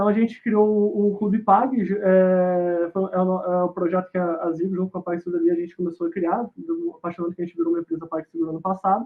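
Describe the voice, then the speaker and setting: Very fast and high-pitched, a man speaks with fairly even intonation. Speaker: software developer and conference speaker. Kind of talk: conference talk.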